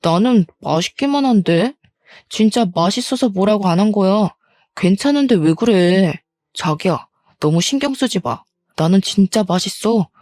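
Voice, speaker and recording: A woman voicing a gentle young husband who talks softly and placatingly. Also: mid-range voice, animated, normal speed, no echo, clean studio sound, natural voice. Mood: soothing. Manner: soft, placating, pleading.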